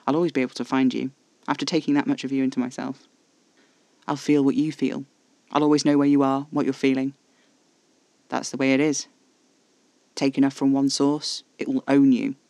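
A man's voice: mid-range voice, little pitch movement, a little fast, creaky, long pauses, a little mellow, no echo, lightly acted. A man voicing a frustrated, possessive male vampire in a storybook, with formal, exasperated speech. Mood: intense, possessive. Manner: haughty, exasperated, formal wording.

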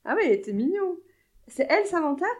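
Podcast host, woman, bright higher pitch, teasing and easily amused. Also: very animated. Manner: playful, teasing, quick to laugh. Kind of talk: casual chat.

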